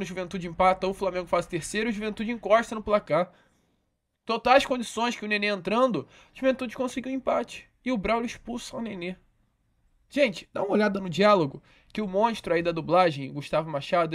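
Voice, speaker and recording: A man from Brazil hosting a football channel, giving indignant, emphatic commentary. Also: sits high. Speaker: sports channel host.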